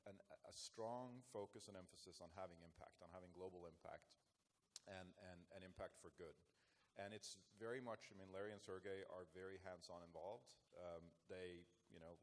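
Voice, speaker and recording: A man, answering as a conference panelist in a reflective, earnest way. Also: low-pitched. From Norway. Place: conference stage.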